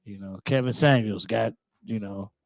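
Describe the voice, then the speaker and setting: A man co-hosting a radio show, joking around playfully with loud bursts. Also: fairly low pitch, moderate pace, vocal fry, dry recording. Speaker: radio co-host. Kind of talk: casual on-air banter. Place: radio studio. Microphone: studio mic.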